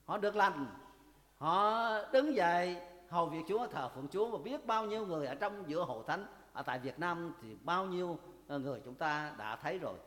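A male pastor preaching a sermon, emphatic, with drawn-out pauses, often turning to address the congregation. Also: fairly high pitch, animated, fairly bright tone. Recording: long reverb of a church hall.

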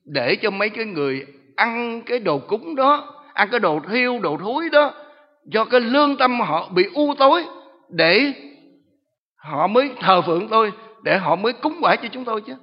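A man voicing a boastful, taunting demon that possesses a young woman, speaking in a shrill, mocking, threatening way. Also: sing-song, normal speed, long reverb tail, highs cut off, heavily acted. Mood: gloating.

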